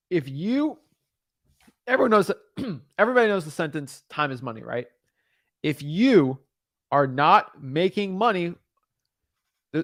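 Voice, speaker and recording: A man's voice: a little high, dry recording, clean studio sound. A young man giving rambling, repetitive real estate advice, full of fillers and restarts. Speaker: real estate wholesaling coach. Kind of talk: casual talking-head advice.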